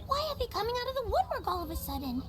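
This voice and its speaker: A woman voicing an eager, scatterbrained child bee detective in a chirpy, excitable manner. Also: extremely high pitch, rapid-fire. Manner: chirpy, literal-minded, excitable.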